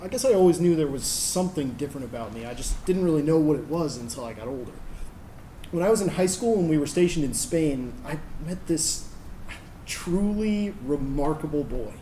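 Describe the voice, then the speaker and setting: A fairly high, very animated male voice of an actor plays a gay military brat looking back. He is wry and conversational, like live stage storytelling, over faint noise. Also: a little fast, natural voice, rough recording. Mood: wistful. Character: gay military brat recalling a teenage crush. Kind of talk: animated storytelling monologue to an audience.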